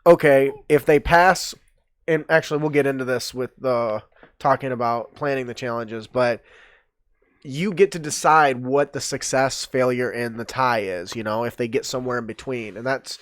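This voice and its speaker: A man's voice: mid-range voice, moderate pace, no echo, clean studio sound. A man with a slightly stuffy nose hosting a casual gaming chat, rambling with lots of fillers. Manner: rambling, many fillers, laughs easily. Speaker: podcast host.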